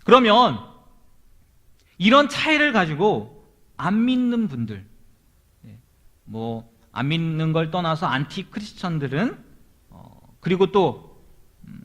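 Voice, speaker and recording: A man's voice: a little high, big pitch swings, slow pace, long pauses, fairly bright tone. A male pastor preaching to a young adult congregation in church, and he often puts questions to his listeners. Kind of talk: sermon. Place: church hall.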